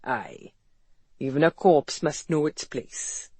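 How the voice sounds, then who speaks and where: A narrator voicing a dry, amused Welsh businessman with a Welsh accent, speaking low and frankly. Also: slow pace, a little mellow, breathy edge, no room sound.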